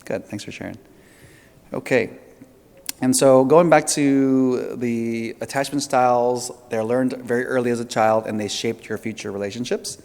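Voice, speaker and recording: A man gives a relaxed seminar talk to an audience in a big conference hall, his voice at an ordinary middle pitch. He speaks conversationally, with frequent fillers and restarts. A long reverb trails after his words. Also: moderate pace, creaky. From Indonesia. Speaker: seminar presenter.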